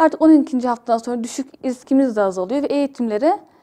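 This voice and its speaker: Spoken at a fairly quick pace with ordinary pitch variation, this voice has a dark, mellow tone over a quiet background. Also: woman. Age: 20s. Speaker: birth coach and former nurse; guest, birth coach. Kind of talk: interview. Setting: studio. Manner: hesitant, frequent fillers. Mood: calm, friendly. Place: studio.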